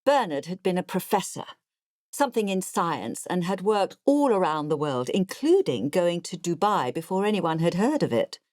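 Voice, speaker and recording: Audiobook narrator: elderly English ex-nurse, artless and confiding, low register, lively inflection, dry close sound. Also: female voice, normal speed, dry recording. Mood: confiding, digressive. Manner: confiding, digressive, matter-of-fact. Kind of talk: audiobook first-person narration.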